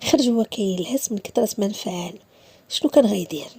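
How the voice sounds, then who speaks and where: A woman's voice: medium pitch, lively intonation, fast, creaky, warm tone, slightly rough, no room sound. A woman with a Moroccan accent narrating a dramatic story, dipping into whispers at tense moments.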